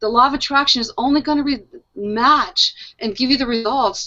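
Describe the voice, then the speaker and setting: A woman talks at a moderate pace in a Canadian accent. Her pitch is high. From central Canada. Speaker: talk show host. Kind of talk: casual panel discussion. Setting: video call.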